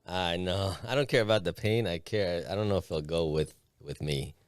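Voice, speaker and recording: A man co-hosting a casual interview, relaxed and agreeable. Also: low-pitched, normal speed, smooth, no echo, clean studio sound. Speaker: podcast co-host.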